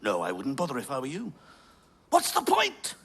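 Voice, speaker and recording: A wry, knowing old adviser. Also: male voice, mid-range voice, huge pitch swings, moderate pace, a little hiss or hum. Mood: grave. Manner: wry, laughs warmly as he talks. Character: knowing, chuckling older man, a kindly adviser.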